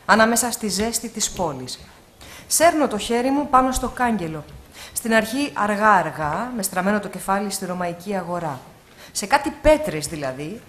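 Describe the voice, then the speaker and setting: A woman reading a literary short story aloud at a live event, in an expressive, measured way with pauses. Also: on the high side. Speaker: reader at an award ceremony. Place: live event before an audience.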